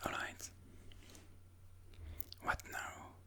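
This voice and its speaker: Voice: extremely slow, bright, forceful tone. A person whispering breathily in an ASMR style, musing aloud move by move as they comment on their own chess game.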